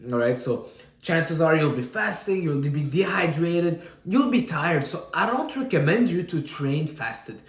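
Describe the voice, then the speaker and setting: Energetic fitness coach from Syria. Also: male voice, a little high, roomy sound. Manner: energetic, repeats "all right?" often. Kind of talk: casual fitness advice to camera.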